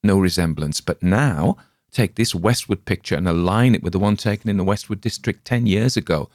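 A man's voice: fairly quick, a little mellow, dry recording, studio quality. A man voicing a nervous, frightened grown man who was shaken after a crash, reading in a dramatic audiobook style. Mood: insistent. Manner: agitated, high-pitched, pleading.

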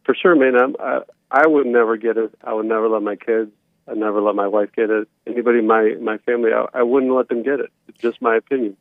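A man in his thirties calling a talk show by phone, telling a personal account casually and haltingly over a tinny line. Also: medium pitch, fairly even intonation, no echo. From born in Romania, later moved to the United States. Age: 30s. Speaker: caller.

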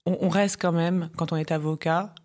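A woman in her forties from Paris, a business tax lawyer chatting as a podcast guest, talking in lively bursts with quick asides and frequent laughs. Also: fairly low pitch. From Paris, France. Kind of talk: casual interview chat.

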